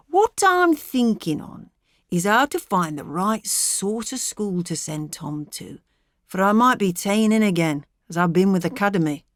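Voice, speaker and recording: A woman's voice: medium pitch, no echo, studio quality, natural voice. A woman voicing a stubborn, blustering middle-aged miller with a rural English accent, in emphatic, ruminating dialect, for an audiobook.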